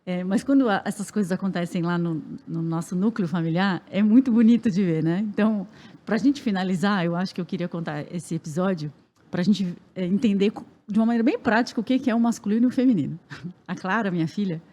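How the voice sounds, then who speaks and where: A woman hosting a podcast interview, telling a family story in a lively way with frequent laughter. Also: mid-range voice, fast. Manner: animated, laughs often, speeds up when excited. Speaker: podcast host.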